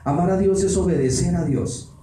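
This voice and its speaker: Male preacher, dramatic delivery, slightly high mellow voice, picked up from a distance in a reverberant hall. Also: normal speed, a little hiss or hum. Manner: dramatic, acts out quoted voices, rhetorical questions. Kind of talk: Bible study sermon. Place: church meeting hall. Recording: echoey hall, distant mic, faint ambience.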